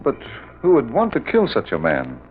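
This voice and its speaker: An actor playing an earnest, eager detective in an old-time radio mystery, direct and inquisitive. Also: male voice, mid-range voice, wildly swooping pitch, moderate pace, a little hiss or hum. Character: earnest, eager male detective friend of a priest. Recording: tinny, narrow old radio recording.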